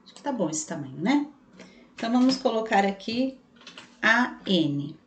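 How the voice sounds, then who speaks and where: A woman's voice: fairly high pitch, big pitch swings, normal speed, slight background noise. A woman teaching a children's spelling lesson online, patiently explaining step by step and voicing the pupils' questions herself. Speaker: primary school teacher. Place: room with a passing truck heard outside. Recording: echoey room.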